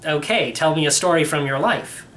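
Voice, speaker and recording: A man's voice: on the high side, normal speed, fairly bright tone, lightly acted. A man voicing a curious, mildly sceptical young boy in a children's audiobook, plain-spoken and questioning.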